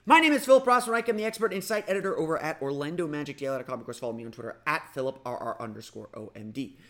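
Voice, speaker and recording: A man hosting a casual sports podcast, talking energetically with a slightly raspy voice and frequent restarts. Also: on the high side, racing. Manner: energetic, rambling with restarts and fillers. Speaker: podcast host.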